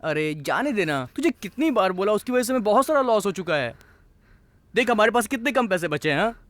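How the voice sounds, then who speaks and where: A man's voice: high voice, big pitch swings, a little fast, a bit bright, no room sound. An actor playing a young man who teases his friend in slangy, joking banter. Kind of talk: film dialogue.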